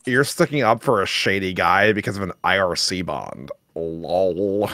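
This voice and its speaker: A man reading chat logs aloud for comedy, breaking into shrill mocking voices and laughing. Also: very animated, normal speed, gravelly, sharp tone, no room sound, studio quality.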